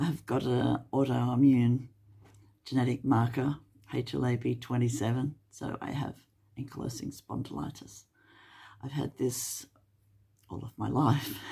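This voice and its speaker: With an Australian accent, a woman speaks fairly slowly at a very deep, low pitch, her dark, mellow tone carrying vocal fry, fairly even intonation, big swings in loudness and long, frequent pauses. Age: 70s. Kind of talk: casual podcast talk.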